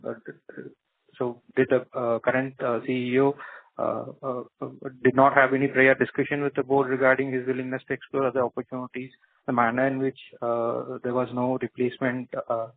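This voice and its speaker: A man asking analyst questions on a business call in a hesitant, halting way. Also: medium pitch. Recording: narrowband, tinny phone line.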